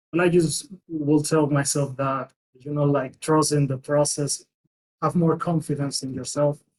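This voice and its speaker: A man with a Spanish accent speaks at a moderate pace in a fairly high, somewhat breathy voice with monotone, flat intonation. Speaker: sales student. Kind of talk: interview testimony.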